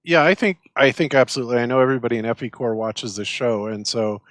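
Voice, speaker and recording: A man's voice: medium pitch, steady tone, fast talker, fairly bright tone, no room sound. A man casually hosting a talk show with other guests. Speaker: show host.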